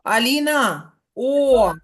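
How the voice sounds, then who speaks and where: A middle-aged woman teaching a primary school class, dictating slowly and patiently to young children. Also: high voice, lively intonation, slight background noise. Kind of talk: classroom lesson.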